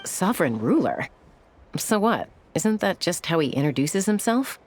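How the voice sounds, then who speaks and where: A low-voiced, dry tribal woman. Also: big pitch swings, moderate pace, slight background noise. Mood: thoughtful. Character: grounded tribal woman recounting legends. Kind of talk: video game voice acting.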